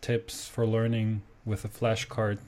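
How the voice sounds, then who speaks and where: German male host, native German speaker, mellow timbre, enthusiastic casual interviewer. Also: fairly low pitch, monotone, unhurried. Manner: enthusiastic, says "awesome" often.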